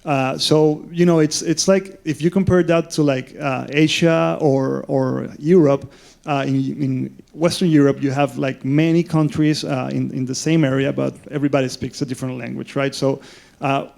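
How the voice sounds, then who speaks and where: A Venezuelan man in his thirties with a Spanish accent, speaking on a conference panel and often pausing on fillers and repeated words. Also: medium pitch, fairly even intonation, gravelly, darkish tone. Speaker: panelist, game studio founder.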